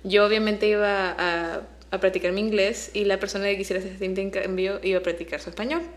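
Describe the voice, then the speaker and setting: A young woman, a native Spanish speaker, co-hosts a relaxed podcast at a middling pitch. She talks in a chatty, teasing way and keeps the conversation rolling. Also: fast talker. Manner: chatty and teasing, laughs often. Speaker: podcast co-host. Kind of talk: casual chat.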